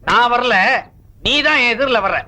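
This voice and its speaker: A man's voice: extremely high pitch, normal speed, pushed and bright, heavily acted. A man playing a schoolmaster in a film comedy, asking stern, scolding questions.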